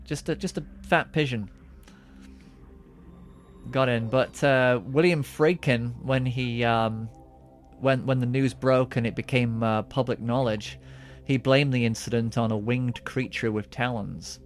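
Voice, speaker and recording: A man's voice: medium pitch, fairly even intonation, a little slow, faint music behind. Rambling man chatting on a podcast. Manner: rambling, many restarts and fillers. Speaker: podcast co-host. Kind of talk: casual chat.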